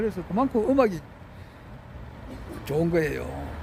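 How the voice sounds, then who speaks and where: A man's pitch swings very widely at a moderate pace, with noticeable background noise behind him. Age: 70s. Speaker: retired civil servant vlogger. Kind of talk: casual vlog monologue. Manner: halting, repetitive.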